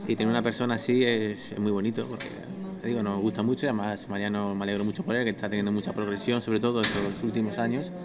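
Man, 30s, restaurant owner, enthusiastic, lower voice, chatter of diners behind. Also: level tone, quick pace. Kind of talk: casual interview. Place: restaurant dining room, indoors. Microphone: handheld interviewer mic.

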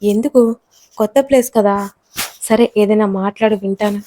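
Woman doing a chatty pouty young girl, mellow voice. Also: mid-range voice, fairly even intonation, moderate pace, lightly acted. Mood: playful. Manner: playful and chatty.

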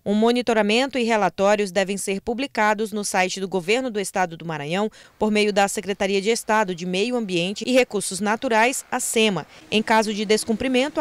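A woman reading a scripted TV news report in a crisp reporting manner. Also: medium pitch, a little hiss or hum.

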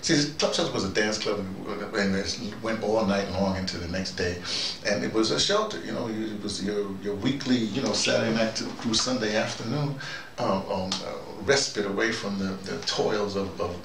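A middle-aged American man with a low voice hosts a casual video dispatch, heard in an echoey room some way from the mic with clear background noise. He rambles in a halting way, repeating words and wandering off on digressions. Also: distant mic. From North America. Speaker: host of a personal video dispatch. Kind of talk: rambling casual monologue to camera.

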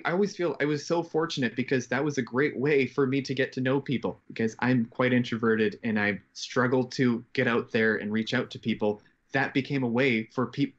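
A man in his twenties speaks as a guest in a casual interview. His delivery is reflective and halting, with a medium pitch. The sound is a little dull, like a headset on a video call from a bedroom. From grew up in Japan, Canadian. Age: 20s. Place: bedroom at home. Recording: slightly dull, band-limited video call.

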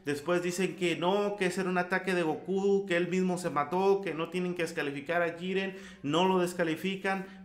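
A man with a Mexican accent giving an excited, slangy anime recap full of sound effects. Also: sits high. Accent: Mexican Spanish. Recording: roomy echo.

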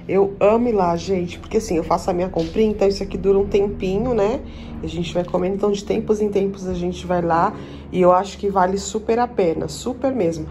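A woman's voice: mid-range voice, dark tone, slight background noise. A woman in her thirties from Brazil, chatting casually to her viewers in a shopping vlog, constantly pointing things out to them. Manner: chatty, addresses viewers as "gente", lots of "tá vendo, ó?". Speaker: vlogger.

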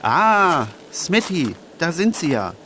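A man's voice: a little high, big pitch swings, takes it slowly, bright, forceful tone, slight background noise, exaggerated voice. An actor playing a flustered, exasperated man in a crime radio play, agitated, grumbling and sarcastic. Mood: flustered, irritated.

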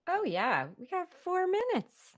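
A woman's voice: very high-pitched, wildly swooping pitch, unhurried, no room sound, studio quality. A woman casually moderating a panel and putting questions to guests.

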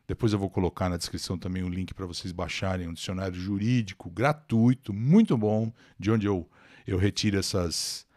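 An older Brazilian man teaches a live English lesson with a very animated, up-and-down voice. He explains patiently and answers viewers' questions by name. The sound is close and dry, with no room echo. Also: low-pitched. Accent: Brazilian Portuguese.

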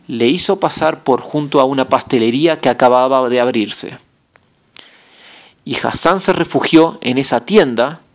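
A man narrating an audiobook with a measured, steady storytelling delivery. His voice sits at an ordinary middle pitch, even and unhurried.

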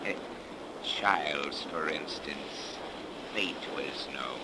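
An actor in a 1930s radio drama playing a menacing, cursed sea captain who speaks in archaic, theatrical, halting phrases. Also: male voice, a bass voice, exaggerated voice. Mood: brooding. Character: brooding, menacing, God-hating cursed old sea captain. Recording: noisy 1930s radio broadcast.

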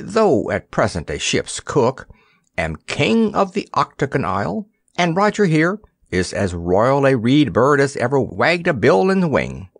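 A man's voice: medium pitch, no echo, clean studio sound, voice pushed up, heavily acted. A man voicing a jolly, stout ship's cook who is also a king, chatty and coaxing, in a storybook reading.

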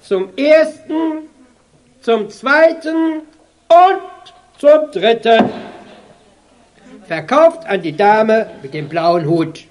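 Slow-calling, high-voiced female auctioneer. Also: lively intonation, a little mellow. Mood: businesslike calling. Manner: auctioneer's measured, drawn-out formal calling. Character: brisk, formal female auctioneer running an estate sale. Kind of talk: auctioneer calling in a scripted audio drama.

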